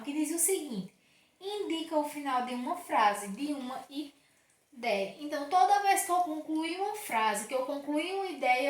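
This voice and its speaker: A Brazilian woman teaching a remote lesson to children, speaking warmly and often checking in with the class. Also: high voice. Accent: Brazilian Portuguese. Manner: warm teacher talk, checks in with "certo?" often. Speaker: primary school teacher. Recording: roomy echo, distant from mic.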